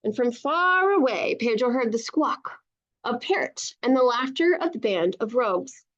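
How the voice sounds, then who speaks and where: A woman reading a storybook aloud to children over a video call, with animated narration and encouraging, chatty asides, in dull lo-fi sound. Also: on the high side, moderate pace. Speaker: children's author reading own book aloud.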